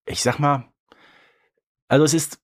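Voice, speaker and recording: A man's voice: a little high, fairly even intonation, unhurried. A man bantering casually as a podcast host, reviewing in conversation.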